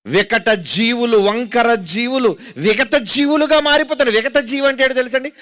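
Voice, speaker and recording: A man's voice: extremely high pitch, fairly even intonation, a little fast, a bit bright. A man preaching a sermon at an open public meeting, dramatic, with rhetorical questions and repeated phrases.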